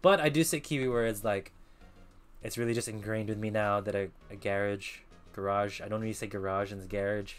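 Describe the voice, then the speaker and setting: A man in his twenties with an American accent, chatting casually while streaming a game, relaxed and swearing now and then. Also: lowish voice, brisk, smooth, soft background music. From Philippines. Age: 20s. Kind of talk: casual let's-play commentary.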